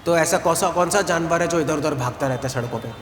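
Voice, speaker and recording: A man, a monk giving a calm, explanatory devotional talk and mixing English words into his Hindi. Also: on the high side, quick pace, slight background noise. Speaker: monk and spiritual teacher. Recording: echoey outdoor space with long reverb, faint ambience.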